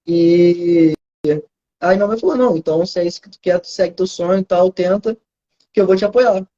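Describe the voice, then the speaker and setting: A young man in his twenties with a Carioca accent, a student answering interview questions over a video call in a soft-spoken, modest way. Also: sits high, fairly quick, dull audio. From Rio de Janeiro, Brazil. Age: 20s. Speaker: student approved in medicine.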